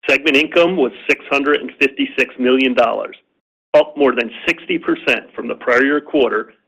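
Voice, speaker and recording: A man's voice: mid-range voice, vocal fry, a bit bright. A man reading a scripted financial presentation on an earnings call as a company executive, in a formal, businesslike way. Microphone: conference call line. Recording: slightly dull lo-fi call audio.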